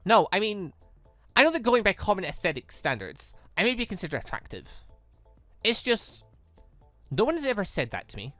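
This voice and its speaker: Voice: mid-range voice, big pitch swings, normal speed, pauses often, sharp tone, no echo, soft background music. A performer voicing a sweet, naive, earnest and shy young girl in a visual novel. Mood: shy, surprised.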